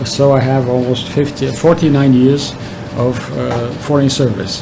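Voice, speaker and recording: A man's medium-pitched, flat, monotone delivery at a fairly slow pace, with audible room echo and noticeable background noise. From Brazil, Rio de Janeiro. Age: 60s. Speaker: diplomat. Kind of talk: interview. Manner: halting.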